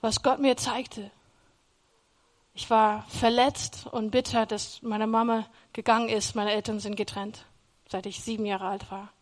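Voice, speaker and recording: High-voiced woman giving a faith testimony. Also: level tone, a little slow. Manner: earnest, storytelling, acts out her own past words; grows loud and emphatic in emotional passages.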